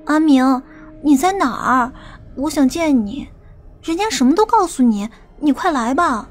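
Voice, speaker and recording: A woman acting a female character in an audiobook crime drama, with a husky voice. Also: high voice, animated, a little slow, soft background music. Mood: coy, pleading.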